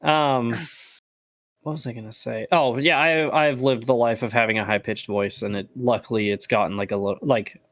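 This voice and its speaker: A man co-hosts a casual podcast with an easygoing, hesitant delivery full of fillers. His voice sits at a middling pitch. The recording is dry and close. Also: steady tone, normal speed, fairly bright tone, dry recording. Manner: laid-back, hesitant with fillers. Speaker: podcast co-host.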